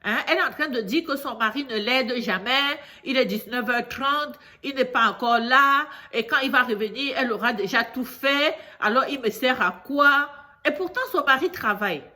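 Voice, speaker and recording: A woman's voice: high voice, pushed and bright. A woman with a cold telling a news story to her viewers in a chatty way. She often repeats herself and grows indignant as she lectures. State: congested from a cold. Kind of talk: casual storytelling monologue to camera.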